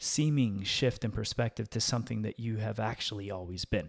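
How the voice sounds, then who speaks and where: Recorded very cleanly against a silent background with a dry, close sound and no echo, a man speaks at a moderate pace with ordinary pitch variation. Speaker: podcast host. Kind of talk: unscripted solo monologue. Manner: animated.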